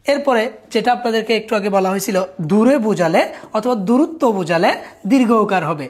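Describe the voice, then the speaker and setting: Woman teacher going over spelling rules, patient, keeps saying look closely, mid pitch. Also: expressive, brisk, a little mellow. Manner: patient, repetitive explaining, prompts to look closely. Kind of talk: recorded spelling lesson.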